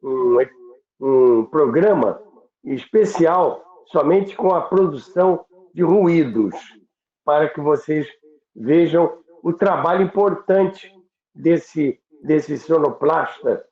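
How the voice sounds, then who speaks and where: Speaking as a radio history commentator, a Brazilian-accented man spins conversational stories and emphasizes ideas by repeating them and listing things. He's on the high side with lively intonation and a little mellow, taking it slowly, on a thin, phone-like recording with roomy echo.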